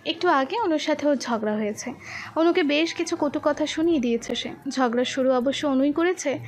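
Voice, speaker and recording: A woman narrating a romantic audio story with steady, expressive storytelling. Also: high voice, normal speed.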